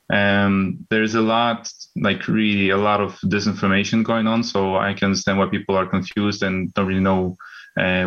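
Male guest, flat low delivery, hesitant, on a muffled remote line. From Ukraine. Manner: hesitant, many ums, measured. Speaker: guest journalist.

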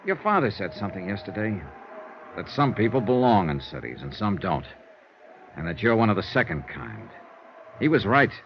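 An actor playing a tough but tender private investigator who narrates a 1950s radio drama in a steady, reassuring way. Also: male voice, lowish voice, moderate pace. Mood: earnest. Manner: steady, reassuring, hushed when comforting. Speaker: narrator and lead. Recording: dull old radio broadcast, faint hiss.

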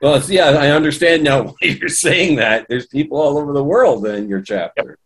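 A man's voice: on the high side, moderate pace. A man with a Canadian accent hosting an interview, asking short questions. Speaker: host.

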